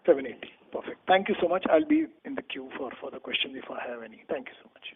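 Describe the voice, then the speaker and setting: High, lively male caller on a phone. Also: quick pace. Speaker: caller asking questions, investor or analyst. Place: phone call. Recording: narrow phone line, faint noise.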